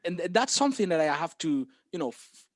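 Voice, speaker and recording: A man from Galicia, talking in a casual podcast chat, excited and halting, with many restarts. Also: fairly high pitch, dry recording, clean studio sound.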